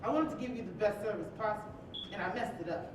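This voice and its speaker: A woman's voice: medium pitch, close to an everyday voice. A woman playing a flustered young waitress, far off in a hall. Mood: flustered, apologetic. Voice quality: flustered, apologetic, rushed. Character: young, eager, emotional waitress. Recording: echoey hall from far off, noisy.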